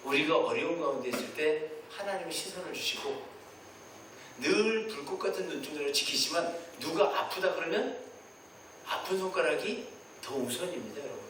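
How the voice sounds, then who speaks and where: A man preaching a Sunday sermon as senior pastor, animated, acting out prayers and God's replies in quoted voices. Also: on the high side, moderate pace, a little hiss or hum. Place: church sanctuary. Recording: distant mic in a very echoey church hall.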